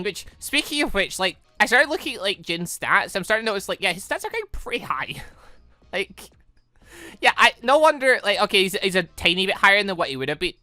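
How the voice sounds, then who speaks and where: Bright-voiced woman doing rambling game commentary. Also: medium pitch, no room sound. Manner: rambling, giggly, reacting aloud. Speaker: gaming channel host playing a visual novel. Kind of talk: casual let's play commentary, reading dialogue aloud. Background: game music.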